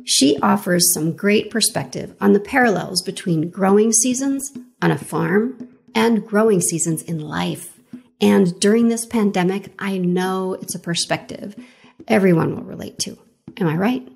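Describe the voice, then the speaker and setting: Gravelly-voiced woman podcast host. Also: mid-range voice, a little slow. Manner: upbeat, warmly enthusiastic. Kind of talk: scripted podcast intro and interview.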